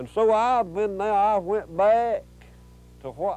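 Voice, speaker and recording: A man with an Appalachian accent at a fairly slow pace, with music in the background. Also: dry sound with no echo. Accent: old Appalachian mountain dialect. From Appalachian North Carolina. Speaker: storyteller. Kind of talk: interview answer. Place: home room.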